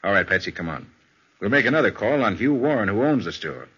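An actor playing a shrewd, unflappable American private detective in 1940s radio crime drama, questioning briskly. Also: male voice, lowish voice, sing-song, a bit bright, breathy edge, heavily acted. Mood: businesslike. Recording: dull vintage 1940s radio recording.

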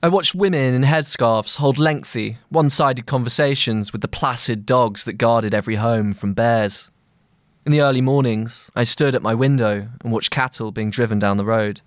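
A man narrating a scripted long-read essay as a journalist, in measured, deliberate phrasing. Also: medium pitch, dry recording, studio quality.

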